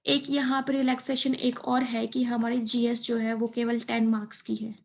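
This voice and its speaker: Higher-pitched woman with even intonation. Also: normal speed, creaky. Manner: code-switches into English terms, checks in often with a short tag phrase. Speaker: exam preparation tutor. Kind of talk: informal explainer lesson over slides.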